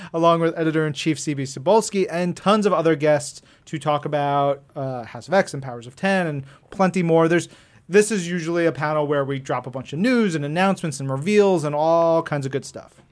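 A man's voice: a little high, a little fast. A man co-hosting a podcast in a casual, chatty style, enthusiastic, informal and jokey. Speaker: podcast co-host. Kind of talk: casual chatty event preview.

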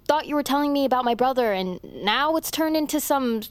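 A woman's voice: sits high, animated, a little fast, clear, resonant tone, no room sound. An actress playing a sarcastic, disbelieving daughter confronting her mother. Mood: scornful. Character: scornful grown daughter arguing with her mother.

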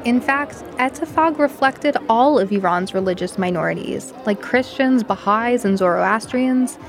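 A woman reporter reads a scripted news story in a measured, clear way. Her voice sits fairly high, and music plays under her narration. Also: lively intonation.

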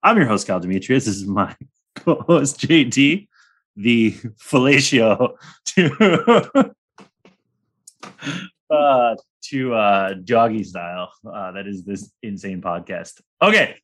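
A man's voice: lowish voice, expressive, slow, a bit bright. A young man hosting a sports podcast in casual chat, rambling and joking with crude humor. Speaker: podcast host.

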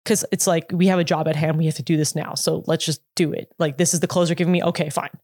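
A woman in her late twenties, a former pop idol being interviewed, talking casually with lots of "like" and halting restarts. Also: deep voice, steady tone, a little mellow, no room sound, studio quality. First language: English. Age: 20s.

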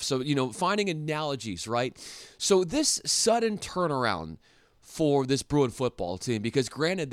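A young man hosting a solo sports podcast, talking in an animated, excitable way with frequent restarts and rhetorical questions. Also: fairly high pitch, dry recording, studio quality. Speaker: podcast host.

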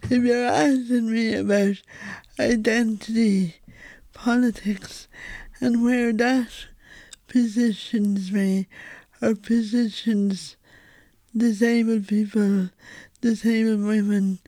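An Irish woman speaking as a guest playwright in a reflective conversation, thoughtful and halting, often repeating words as she finds them. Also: on the high side, fairly even intonation, warm tone, no echo.

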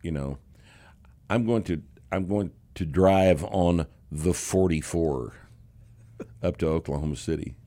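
A man with a slight Texas accent hosting a casual podcast, talking in a gruff, profane, sarcastic way. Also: low-pitched, a little slow, warm tone. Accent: Texan. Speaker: podcast host, strength coach.

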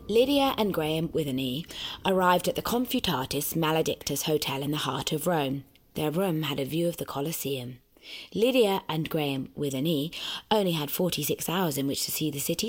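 An actress narrating a comedy as a gentle, soft-spoken narrator. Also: female voice, low voice, moderate pace. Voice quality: soft, calm delivery. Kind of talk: scripted comic narration. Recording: music playing behind.

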